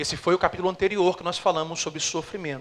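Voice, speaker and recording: A man speaks in a high voice. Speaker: pastor. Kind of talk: sermon.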